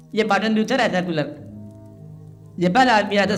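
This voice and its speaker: Music plays behind a man whose pitch shifts in an ordinary way. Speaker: religious scholar giving a lecture. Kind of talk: religious lecture (bayan).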